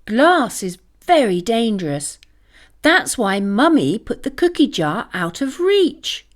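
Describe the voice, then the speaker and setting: A woman plays a mother dog from a children's storybook in a high, lively voice. She is firm and protective, a loving parent talking to her little ones. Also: slow pace. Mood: gentle, apologetic.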